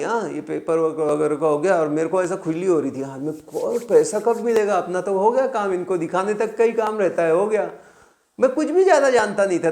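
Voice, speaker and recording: A man, telling a lively story as a real estate coach and acting out both sides of phone calls. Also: high voice, creaky. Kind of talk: storytelling monologue. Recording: echoey room.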